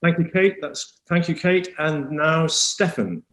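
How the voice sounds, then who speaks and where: A man's voice: a little high, measured pace, fairly bright tone, echoey room. A man chairing an online panel discussion, hesitant and full of fillers, speaking over a video call.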